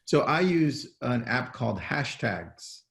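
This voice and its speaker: Male interview host, mid pitch, casual and rambling, reverberant room. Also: very animated, takes it slowly, creaky, a bit bright. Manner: loose, repeats words while steering the talk. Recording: roomy echo.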